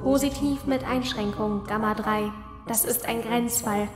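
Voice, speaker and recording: In a huge echoing space with music behind, a commanding female machine intelligence played by an actress presides in a science fiction audio drama. Her diction is formal and deliberate, on a very even pitch. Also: natural voice. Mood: measured, official. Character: commanding machine swarm coordinator Alpha, measured and authoritative. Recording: very echoey reverberant hall, music behind.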